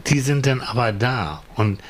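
A man co-hosting a podcast, talking in a thoughtful, halting way and repeating words as he searches for them. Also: mid-range voice, expressive, a little hiss or hum. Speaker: podcast co-host. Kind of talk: casual conversational chat.

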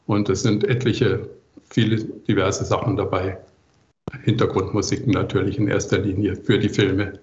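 An older man answers interview questions in a relaxed way, with a fairly low voice. The recording is echoey and slightly muffled, as if he joins remotely from a reflective room. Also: moderate pace. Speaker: composer interviewed as podcast guest.

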